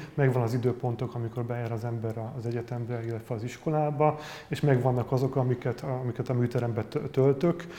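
At a fairly quick pace, a man with a medium pitch speaks in a dark, mellow tone with fairly even intonation. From Hungary, Zala county (Nagykanizsa). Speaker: painter and art professor. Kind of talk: interview. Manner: halting, with many repetitions.

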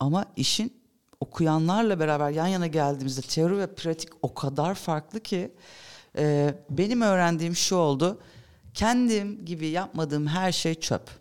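The woman's tone is animated, and her voice sits fairly low with very even loudness. She speaks at a fairly slow pace in a very clean recording with a silent background. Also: ordinary pitch variation. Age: 40s. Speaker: radio host, writer and comedian. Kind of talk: casual interview chat.

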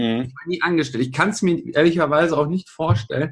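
Talking fairly quickly, a man's somewhat breathy voice shows ordinary pitch variation. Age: 30s. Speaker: former pro cyclist, network marketer. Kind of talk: casual interview. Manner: hesitant, many fillers.

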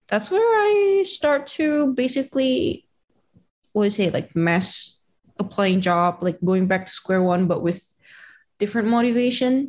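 Against a quiet background, a woman with fairly high pitch and very wide pitch swings talks at a fairly slow pace with very even loudness. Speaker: former podcast host, guest host. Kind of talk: casual solo chat and conversation.

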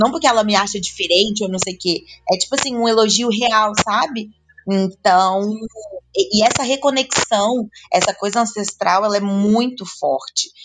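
A woman talks in a plain, everyday voice, fairly high in pitch. Her pace is moderate and her pitch variation ordinary. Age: 20s. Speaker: digital nomad and photographer. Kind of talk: casual chat.

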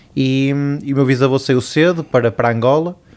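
This is a man with a plain, everyday voice at a medium pitch. His intonation is fairly even. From northern Portugal, Matosinhos. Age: 30s. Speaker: entrepreneur. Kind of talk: casual chat.

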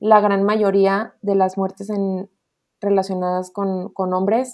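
A woman speaks at a fairly slow pace with a medium pitch and flat, monotone intonation. The recording is very clean, with a silent background. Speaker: podcast guest, feminist podcaster. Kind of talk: casual discussion.

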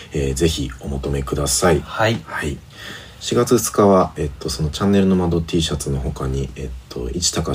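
A man with a very deep, low pitch and ordinary pitch variation speaks over noticeable background noise. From Gifu, Japan. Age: 30s. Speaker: podcast co-host, singer-songwriter. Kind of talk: casual chat.

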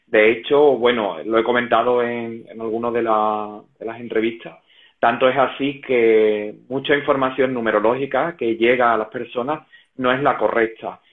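Keeping a fairly even intonation, a man speaks at medium pitch and a fairly slow pace. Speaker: numerologist. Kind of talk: interview; guided meditation.

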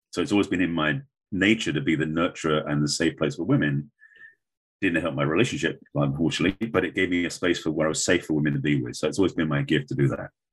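Speaking at a very fast pace, a man with an English accent has a very deep, low voice. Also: ordinary pitch variation. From England. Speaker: relationship coach and author. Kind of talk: interview conversation.

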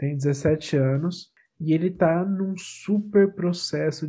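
This man's voice is somewhat breathy. It carries a dark, mellow tone. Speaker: podcast host. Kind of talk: casual chat.

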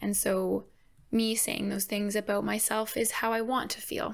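A woman with a Canadian accent and an unremarkable speaking voice, medium in pitch, at a moderate pace, in a very clean recording with a silent background. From Ottawa, Ontario, Canada. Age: 20s. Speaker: podcast host. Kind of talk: casual monologue.

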